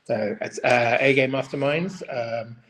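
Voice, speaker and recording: A man giving an informal, unscripted live talk as a business mentor, speaking in a halting, rambling way and often rephrasing mid-sentence. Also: medium pitch, fairly even intonation, a bit bright. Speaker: business mentor hosting a daily live video. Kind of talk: informal unscripted monologue to camera. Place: echoey room. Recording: very echoey room, long reverb.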